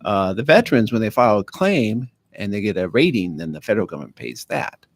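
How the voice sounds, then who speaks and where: A man answering questions on a radio show as a guest, speaking haltingly with many fillers and restarts. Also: lowish voice, very animated, no echo. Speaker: county veterans affairs officer, studio guest. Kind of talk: casual radio interview. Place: radio studio. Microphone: studio microphone.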